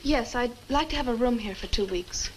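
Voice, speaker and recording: A woman's voice: on the high side, normal speed, natural voice. An actress playing a polite, inquisitive young female student in a 1960s horror film, with an earnest manner. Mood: polite, curious. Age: young adult. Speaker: college student. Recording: noisy old film soundtrack.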